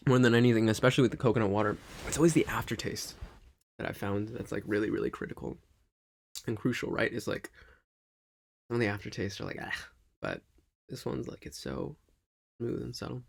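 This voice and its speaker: A man talking casually to his audience in a reflective, halting monologue, often checking in with a questioning tag. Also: mid-range voice, lively intonation, gravelly. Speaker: vlog host.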